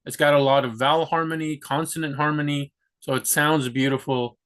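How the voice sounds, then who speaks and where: A man's voice: fairly high pitch, flat delivery, a little fast, a bit bright. Rambling man talking about his plans. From United States. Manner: rambling, many restarts and "like" fillers. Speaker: vlogger. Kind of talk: casual talk to camera.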